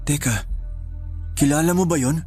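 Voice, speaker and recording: An actor playing a calm, watchful young man in a radio drama. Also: a little high, moderate pace, soft background music, lightly acted.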